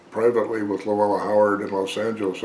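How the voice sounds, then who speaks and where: With some room reverberation and clearly audible background noise, a man delivers his words rather briskly. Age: 70s. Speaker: retired oboist and music teacher. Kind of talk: instructional talk. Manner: halting, with many fillers.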